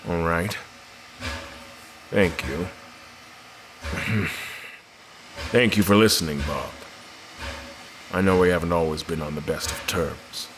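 A man playing a weary, calculating admiral in an audio drama, speaking gravely and deliberately with dry sardonic wit. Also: sits low, background noise. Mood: dry, sincere.

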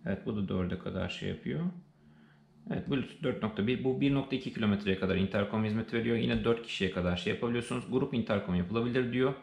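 A man's voice: lowish voice, fast talker, gravelly, a little mellow. A man with a Turkish accent giving casual, unscripted unboxing commentary, thinking aloud hesitantly as he goes. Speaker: unboxing presenter. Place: indoors, living room. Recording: roomy, echoey sound with faint noise.

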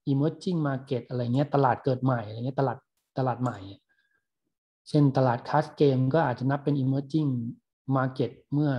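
A man with a husky, slightly breathy voice teaches a recorded online class. He explains words patiently and pauses to gloss them. The recording sounds dull and lo-fi. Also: medium pitch. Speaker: university lecturer.

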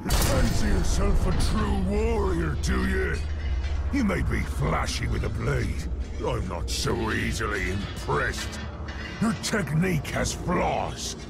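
A man playing a brutal, boastful orc captain in a video game, gravelly, scornful and theatrical. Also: on the high side, exaggerated voice. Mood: cool disdain. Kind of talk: video game villain acting. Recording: loud music behind the voice.

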